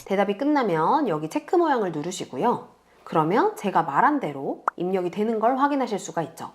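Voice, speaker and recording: Patient woman tutor, lively pitch. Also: slight background noise. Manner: patient, explains slowly to beginners. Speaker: online tutor. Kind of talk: step-by-step screen tutorial.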